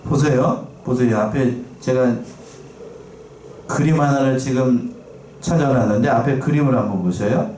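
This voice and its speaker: A man's voice: medium pitch, normal speed, mellow. Man, pastor, sermon, asks the congregation questions, reverberant church hall, faint ambient noise. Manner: asks the congregation questions and reads scripture aloud. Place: church sanctuary. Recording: echoey church, mic at a distance.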